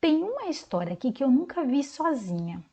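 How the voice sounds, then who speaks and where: A Brazilian woman teaching a recorded video lesson to young children, speaking slowly in a sing-song teacher manner and clapping out syllables. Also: high voice, sing-song, warm tone. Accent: Brazilian Portuguese.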